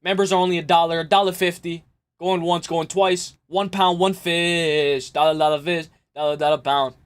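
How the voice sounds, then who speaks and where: A man hosting a live stream, chatting loosely with his viewers and rambling through quick asides. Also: fairly high pitch, flat delivery, smooth. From Spain. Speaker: livestream host. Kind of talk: casual live stream chat.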